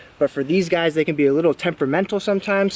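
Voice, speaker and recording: A man talks at a very fast pace with fairly even intonation, the sound dry and close with no echo, though noticeable background noise runs underneath. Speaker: DIY truck modification YouTuber. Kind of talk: DIY how-to tutorial talk to camera. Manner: casual, chatty.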